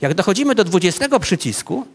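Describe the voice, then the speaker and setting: This man, a psychology professor in his fifties, lectures publicly in an ornate hall, using a handheld mic to guide his seated listeners through a scene as a vivid story. He uses frequent hesitation fillers. His high, husky voice is fast and sing-song.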